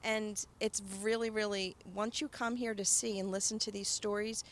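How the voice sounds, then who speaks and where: A woman interviewer with a gravelly, fry-laden voice responds sincerely and supportively. She often stalls with hesitant fillers, and faint ambient noise sits behind her voice. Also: mid-range voice, level tone, moderate pace. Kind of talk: casual interview conversation.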